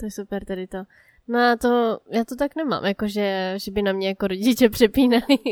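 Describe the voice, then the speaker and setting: A woman has a plain, everyday voice, fairly high in pitch, at a fairly quick pace with ordinary pitch variation and big swings in loudness. The recording is very clean with a silent background, and the sound is dry and close with no echo. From Czech Republic, Vietnamese immigrant family. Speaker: podcast co-host. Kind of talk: casual chat.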